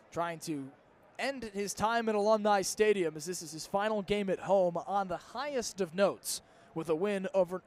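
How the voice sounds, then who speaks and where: A man in his twenties with an American accent calling live football on radio as play-by-play announcer, in crisp, detail-packed phrases. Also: high voice. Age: 20s.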